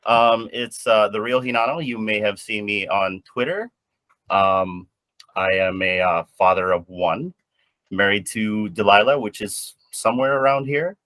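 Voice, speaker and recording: A man's voice: fairly low pitch, measured pace, a bit bright, no room sound. A man from Hawaii chatting casually on a panel, a little nervous, stammering and rambling. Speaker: guest panelist. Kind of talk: casual chat.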